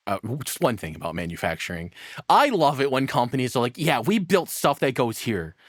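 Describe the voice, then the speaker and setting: A man's voice: medium pitch, big pitch swings, fairly quick, dry recording, studio quality. A man giving casual, off-the-cuff reaction commentary, rambling and blunt, with plenty of swearing. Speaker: streamer reacting to a video.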